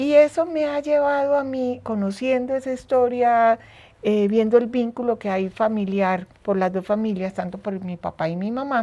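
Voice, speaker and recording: The voice has a dark, mellow tone with ordinary pitch variation at a moderate pace. The recording is very clean, with a silent background. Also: woman. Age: 60s. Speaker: geriatrician. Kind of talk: interview conversation.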